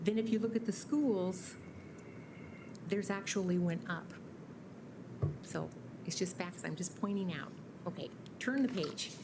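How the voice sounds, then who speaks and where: A woman speaks at a medium pitch with ordinary pitch variation and long, frequent pauses, amid audible room echo. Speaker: city official presenting budget. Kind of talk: council meeting presentation. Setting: council chambers. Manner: slow.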